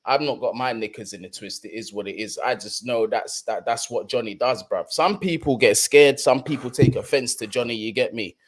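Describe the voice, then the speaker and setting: On his live football stream, a young London-accented man from London chats in slangy, easygoing fashion and keeps repeating his points. His medium-pitched voice moves at a moderate pace with hardly any pauses.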